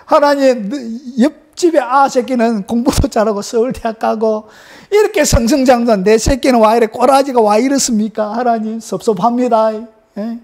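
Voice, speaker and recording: A man's voice: very high-pitched, moderate pace, a little mellow. A male pastor putting on the voice of a grumbling, scoffing churchgoer who complains in a whiny, dismissive way.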